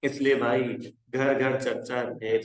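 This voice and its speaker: A man's voice: mid-range voice, flat delivery, takes it slowly. Male religion teacher, conversational and exhorting, checks if the class follows, roomy echo. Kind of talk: casual spoken lesson to a youth class.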